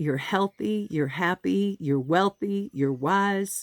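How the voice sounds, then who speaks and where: The speaker has a Southern US accent and a very slow pace with ordinary pitch variation. The sound is dry and close, with no echo. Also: woman. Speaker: spiritual teacher and tarot reader. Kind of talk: casual teaching monologue. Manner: animated.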